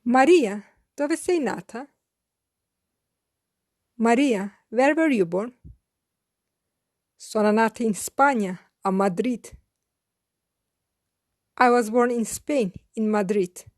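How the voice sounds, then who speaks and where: A woman teaching a beginner lesson in a slow, scripted way, spelling out each phrase carefully and repeating it. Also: fairly high pitch, darkish tone, no room sound, studio quality. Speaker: language teacher.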